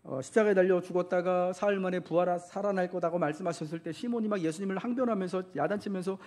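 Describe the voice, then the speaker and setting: A man's voice: high-pitched, fast, darkish tone. A man preaching a Sunday sermon as pastor, asking the congregation questions and acting out quotes.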